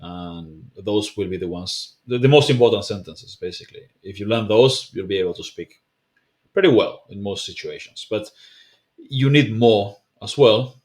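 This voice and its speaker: A low-voiced male language teacher, not a native English speaker, explains a language method to camera in a casual video. He's relaxed and conversational at a moderate pace, often using fillers and correcting himself.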